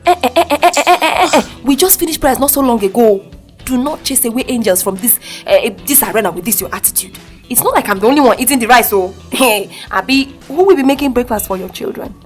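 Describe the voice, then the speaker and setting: A woman's voice: fairly high pitch, lively intonation, fast talker, close to an everyday voice. A woman playing a devout, scolding Nigerian Christian mother in an audio drama, with a Nigerian accent and an insistent, preachy manner. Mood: exasperated nagging. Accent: Nigerian Igbo-language English. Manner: preachy, exclamatory, repeats herself insistently. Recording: music behind the voice.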